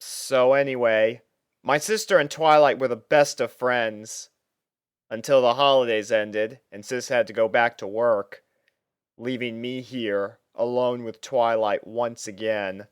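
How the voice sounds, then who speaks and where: Guy narrating a story as a fed-up student, clean dry recording, smooth voice, theatrical delivery. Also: mid-range voice, unhurried, no echo. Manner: expressive, theatrical delivery with sighs. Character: exasperated young male student narrating his life with a roommate. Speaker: fan fiction reader. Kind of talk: dramatic first-person story narration.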